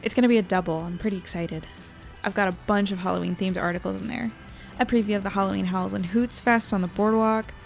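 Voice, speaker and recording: A woman's voice: medium pitch, gravelly, lightly acted. A woman playing an upbeat young reporter who narrates a chatty audio journal in an audio drama. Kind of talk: conversational first-person audio drama narration.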